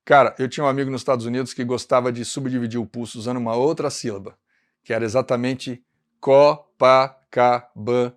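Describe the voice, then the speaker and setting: A man's voice: medium pitch, steady tone, fast. A Brazilian man with a Brazilian Portuguese accent, teaching an online music lesson and explaining rhythm step by step. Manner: explanatory, chants rhythm syllables.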